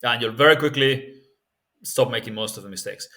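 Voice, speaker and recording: A man with a Spanish accent walks through a language tip in an easygoing, off-the-cuff way. He often pauses on fillers and checks in with "yeah?" and "right?". His voice sits at a middle pitch for a man. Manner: relaxed and thinking aloud, with frequent fillers and tag questions. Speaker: language-learning video host. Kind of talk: casual spoken tutorial.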